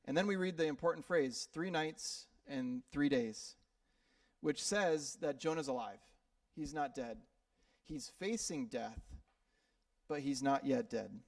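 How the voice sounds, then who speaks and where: Brief: male pastor from Minnesota, slightly higher voice, conversational sermon delivery, dry sound with the mic set back from him. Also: takes it slowly, no room sound, far from the mic. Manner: conversational preaching with frequent fillers and repeated words. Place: church sanctuary.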